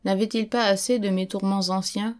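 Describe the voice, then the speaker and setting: A woman's voice: mid-range voice, steady tone, moderate pace, a little mellow, lightly acted. A woman reading the lines of a proud medieval queen in a stately, reproachful way. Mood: bitter grief.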